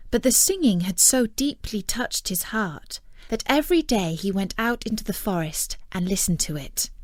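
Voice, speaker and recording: Female storyteller: unhurried fairy-tale narration, very animated intonation, dry close sound. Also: mid-range voice, no room sound.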